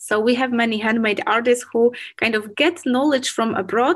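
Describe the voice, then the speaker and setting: The pace of this woman's speech is moderate. She talks at a high pitch. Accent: Polish. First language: Polish. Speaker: podcast host. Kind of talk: interview.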